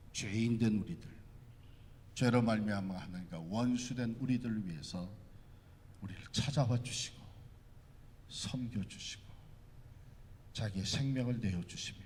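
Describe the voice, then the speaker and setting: A man's voice: fairly low pitch, a little mellow, slight background noise. A man preaching a sermon as pastor, with impassioned, repetitive cadences. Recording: echoey church hall.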